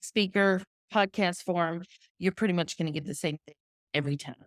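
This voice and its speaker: Woman chatting about her books, lowish voice, dry sound. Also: moderate pace, dry recording. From Texas. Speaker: guest author. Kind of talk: casual interview chat. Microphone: video call.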